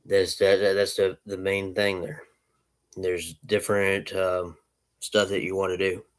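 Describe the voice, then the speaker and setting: A man's voice: low-pitched, flat delivery, measured pace. A man who runs a lawn care business, giving casual, rambling advice with lots of repeats and restarts.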